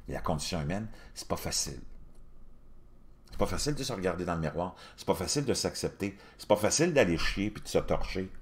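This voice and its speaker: Deep-voiced middle-aged Quebec man. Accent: Quebec French. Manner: colloquial, blunt, crude, philosophizing. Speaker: YouTube channel host. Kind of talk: casual monologue to viewers.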